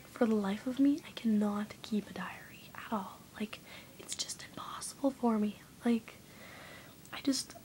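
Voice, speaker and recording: A woman's voice: a little high, dark tone, a little hiss or hum, poor audio. A young woman vlogging at home, rambling casually with lots of fillers and often slipping into a half-whisper. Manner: chatty, rambling, many "like" fillers. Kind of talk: casual vlog chat. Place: dim room at home lit by candles.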